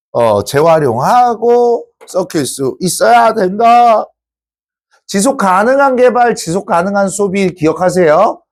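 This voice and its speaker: Male teacher, casual classroom lecture, slightly high voice that swings widely in pitch, informal and teasing with students. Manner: chatty, teasing asides to students; lively, informal.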